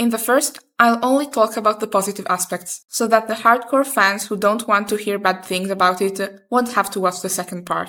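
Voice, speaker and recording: On a very clean recording with a silent background, a woman with an Italian accent speaks at a moderate pace with hardly any pauses, her bright, sharp tone fairly high in pitch and her intonation fairly even. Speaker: video reviewer. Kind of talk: scripted review commentary.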